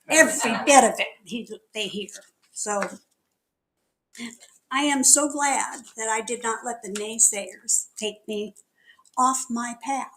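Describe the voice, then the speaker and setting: A middle-aged woman minister delivering a sermon, telling a personal story in a chatty, candid way and laughing at herself. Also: fairly high pitch. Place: spiritual center meeting hall.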